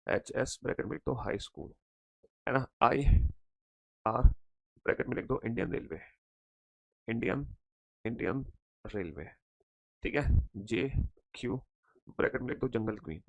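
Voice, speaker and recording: A man teaching a class, repeating every line and drilling students in loud call-and-response recitation. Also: medium pitch, gravelly, no room sound. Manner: drills students aloud, repeats each line, calls them son. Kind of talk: classroom lesson.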